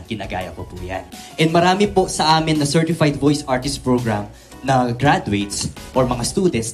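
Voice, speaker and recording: An eager, polite young man from the Philippines talks as a guest on a morning show, his voice moving up and down with lively inflection. Faint music plays behind him. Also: mid-range voice. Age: young adult. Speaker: guest voice artist.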